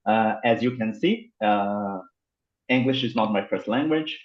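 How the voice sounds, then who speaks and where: Brazilian guy on a video panel, english not his first language, lots of uh's and repeats, low voice. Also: measured pace. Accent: Brazilian Portuguese. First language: Portuguese. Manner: hesitant, many fillers and repeats. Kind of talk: casual panel talk. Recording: roomy, dull video-call audio.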